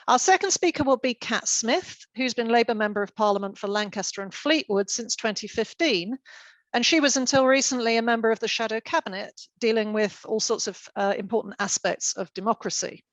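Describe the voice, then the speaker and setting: A woman's voice: fairly high pitch, fairly quick, no echo. A woman chairing an online panel event, giving formal, orderly introductions over a video call.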